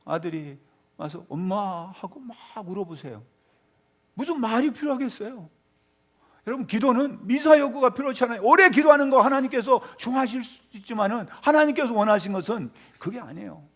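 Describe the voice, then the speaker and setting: A male pastor delivering a Sunday sermon in a church. He calls out to the congregation directly and swings between loud exclamations and hushed tones. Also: very high-pitched, lively intonation, a little fast. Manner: addresses the congregation directly, often calling out to them. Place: church sanctuary.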